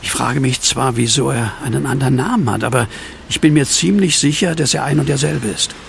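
An actor playing a brooding widower who tells his horror story in an earnest, measured, reflective way in an audio drama. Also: medium pitch, vocal fry, a little hiss or hum. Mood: hesitant, pondering. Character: brooding widowed man haunted by a werewolf. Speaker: narrator and lead character. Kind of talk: German audio drama acting, first-person narration. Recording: music under the voice.

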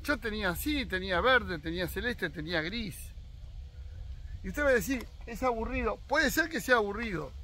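An Argentine man in his sixties talks outdoors on his own land, sharing firm opinions directly with his viewers. His voice sits high and bright, and his pitch swings widely as he makes his points. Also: lively intonation, normal speed, slight background noise. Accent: Argentine Spanish. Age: 60s. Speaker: fishing vlogger. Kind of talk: casual opinion monologue.

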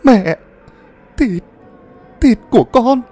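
A man voicing the ghost of a dead boy who cries out to his mother in shrill, anguished wails. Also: lively intonation, drawn-out words, dark tone, slightly rough, soft background music, exaggerated voice. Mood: anguished wailing. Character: dead boy's ghost, wailing, falling apart.

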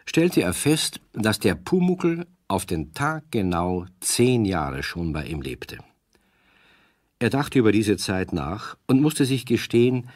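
Male narrator for children's audio stories, low voice, expressive range, dry studio sound. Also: no room sound. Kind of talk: scripted storytelling narration for children.

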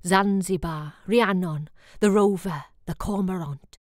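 A woman with a Welsh accent reads poetic prose as a hushed, measured dramatic narrator, often dropping close to a whisper. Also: on the low side, no room sound. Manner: hushed, measured, breathy drops to near whisper. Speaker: voice-over actress.

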